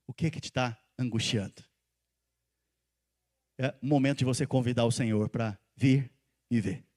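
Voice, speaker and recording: A man, a pastor preaching a sermon who swings between loud, emphatic calls and soft, intimate asides, and who quizzes the congregation and repeats his phrases for stress. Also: medium pitch, steady tone, moderate pace.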